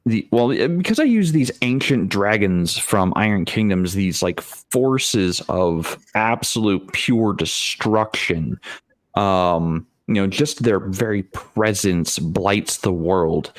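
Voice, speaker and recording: Male game master, low voice, close dry sound, deliberate and wordy, casual discussion. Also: animated, no room sound. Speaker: tabletop game master, panelist. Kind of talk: casual panel discussion of role-playing games.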